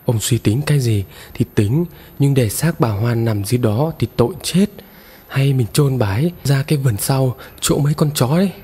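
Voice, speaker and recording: A man's voice: mid-range voice, moderate pace, dark tone, breathy edge, natural voice. A man voicing a frightened rural wife who speaks in a shaky, fearful way. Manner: trembling, fearful. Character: terrified rural wife, middle-aged. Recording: long reverb.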